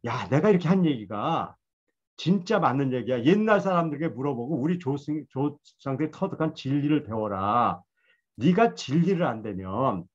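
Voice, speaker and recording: A man's voice: medium pitch, expressive, moderate pace, lo-fi sound, lightly acted. A man voicing a self-righteous male friend who scolds and lectures in a hectoring way. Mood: lecturing.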